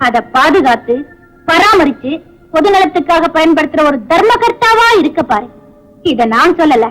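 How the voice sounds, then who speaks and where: A virtuous, earnest young wife. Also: female voice, high-pitched, fairly bright tone, rough recording. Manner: measured, earnest pleading. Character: virtuous, patient young wife, calm moral adviser. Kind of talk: 1980s film acting. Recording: film soundtrack with clear music.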